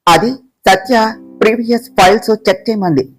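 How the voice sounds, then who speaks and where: A woman's voice: medium pitch, normal speed, breathy edge, close to an everyday voice. The narrator gives voice to a pert young woman assistant who talks back to her boss. The reading is a plain storybook telling with faint music behind. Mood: cheeky. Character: cheeky young woman, new office assistant.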